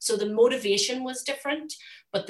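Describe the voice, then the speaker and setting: In a Northern Irish accent, a woman speaks with ordinary pitch variation. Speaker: professor. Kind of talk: panel discussion. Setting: video call.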